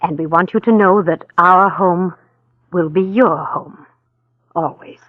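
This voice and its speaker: An actress playing a gentle, wealthy older mother who talks in a soft, coaxing way, in a 1940s radio drama. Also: on the low side, a little slow, dry recording. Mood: tender. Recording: tinny narrow-band 1940s radio recording.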